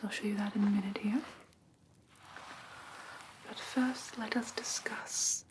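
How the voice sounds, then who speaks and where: Woman acting as vampire class teacher, breathy whisper, soft and patient, instructive ASMR roleplay, noticeable hiss behind the voice. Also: mid-range voice, close to an everyday voice. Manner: soft, soothing, patient, instructive with gentle check-ins. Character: gentle female vampire teacher of human pet care.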